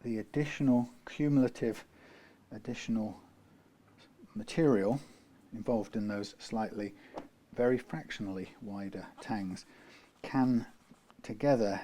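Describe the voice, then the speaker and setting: A man's voice: fairly low pitch, unhurried, warm tone, slight background noise. A man from the UK working through a guitar repair, talking in a rambling way, correcting himself and dropping dry asides. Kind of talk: workshop how-to narration.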